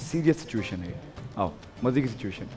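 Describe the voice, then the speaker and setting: A man hosting a game show, announcing rounds loudly and with energy. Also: fairly low pitch, lively intonation, a little fast, in a large hall, soft background music.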